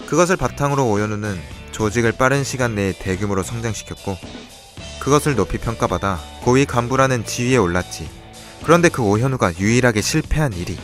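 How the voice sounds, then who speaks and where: Man as cool young schemer in radio mystery. Lowish voice, measured and cryptic, music behind. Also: lightly acted. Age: young adult. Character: cool, calculating young man revealing a crime's secrets. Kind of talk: audio drama acting, expository dialogue.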